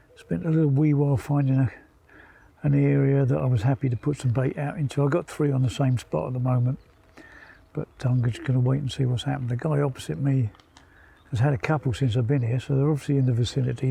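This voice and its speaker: Over noticeable background noise, a man speaks very fast at a very even loudness, with ordinary pitch variation. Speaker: carp angler vlogger. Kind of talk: casual vlog narration. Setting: outdoors by a lake.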